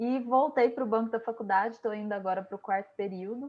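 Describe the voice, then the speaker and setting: A woman with a Minas Gerais accent speaks at a moderate pace with ordinary pitch variation. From Minas Gerais, Brazil (Uberlândia). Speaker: marketing specialist and HR manager. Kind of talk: podcast conversation.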